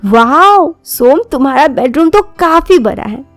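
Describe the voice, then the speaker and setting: A woman's voice: high-pitched, lively intonation, a little slow, dry recording, soft background music. A woman voicing a young college woman in love, shy and anxious but principled, earnest in an audio story. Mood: playful, surprised. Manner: earnest, protesting.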